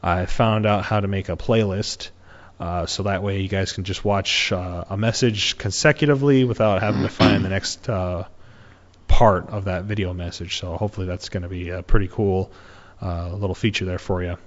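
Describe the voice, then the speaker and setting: A man with a fairly low voice gives casual closing announcements as moderator. He rambles and restarts often. The sound is dull and reverberant. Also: fairly even intonation, normal speed. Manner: rambling, many fillers and restarts. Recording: muffled with long reverb.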